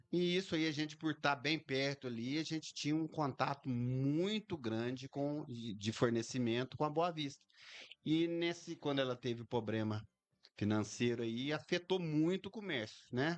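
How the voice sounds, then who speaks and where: A man with a plain, everyday voice talks at a moderate pace against a quiet background. His fairly high pitch shows ordinary pitch variation. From Brazil, southern Minas Gerais (Três Pontas). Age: 60s. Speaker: supermarket owner, businessman. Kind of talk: interview.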